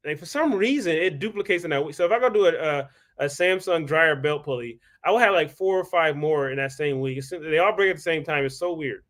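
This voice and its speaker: A man's voice: a little high, pushed and bright. A man, casually hosting a live stream, talking loosely and greeting viewers by name. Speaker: host.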